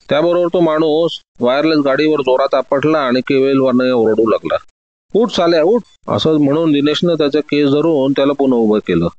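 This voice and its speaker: A man reading a detective story aloud in a steady, dramatic storytelling manner. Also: mid-range voice, no echo, muffled recording. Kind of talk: scripted story narration.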